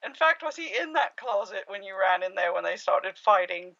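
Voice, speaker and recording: A woman voicing a plucky, self-effacing young scavenger in a conversational cartoon spoof, flustered and halting as she plays things down, on slightly muffled audio. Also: mid-range voice, expressive, fairly bright tone. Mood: regretful.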